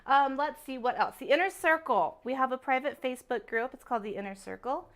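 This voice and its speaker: A woman hosting a live-streamed jewelry sale, chatty and upbeat, greeting viewers by name, her voice a little raspy from a sore throat. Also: high voice, a little fast, fairly bright tone. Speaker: jewelry show host. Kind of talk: live-stream sales chat.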